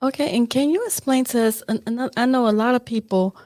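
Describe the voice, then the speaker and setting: A woman's voice: on the high side, quick pace, a little mellow, no echo. Woman host with a dry, close sound. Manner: asks questions, many short acknowledgments. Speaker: podcast host. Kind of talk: casual interview.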